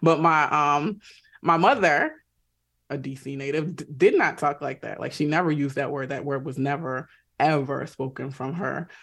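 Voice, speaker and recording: Speaking at a moderate pace, a woman with an American accent has a very deep, low voice. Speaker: psychiatrist. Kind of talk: radio call-in interview. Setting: studio.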